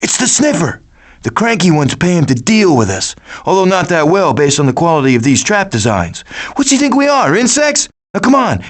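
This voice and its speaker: A cocky raccoon hero from an animated video game. The voice sits high and jumps around animatedly in pitch. The delivery is glib and theatrical, that of a scheming, adventurous wisecracker. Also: male voice, exaggerated voice.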